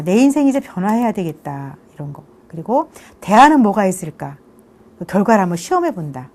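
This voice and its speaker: A middle-aged woman lecturing for an online course, her pitch rising and falling a great deal as she talks. Her tone is warm and mellow. She keeps asking her listeners questions and then answers them herself. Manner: conversational, keeps asking "그죠?" for agreement.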